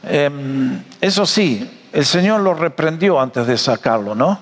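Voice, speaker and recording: A man preaching a sermon, animated and joking, often asking his audience questions. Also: a little high, slow pace, big-room sound. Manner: animated, jokey storyteller, asks the audience questions.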